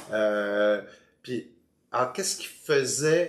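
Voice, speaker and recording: A very slowly speaking man, his pitch varying in an ordinary way. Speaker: podcast host. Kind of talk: interview host talk.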